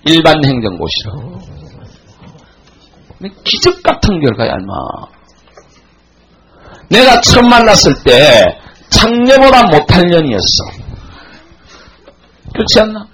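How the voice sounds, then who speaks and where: A man in his forties giving a classroom lecture, telling a blunt, animated story to his students. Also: sits high, unhurried, long pauses, a little hiss or hum, rough recording. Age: 40s.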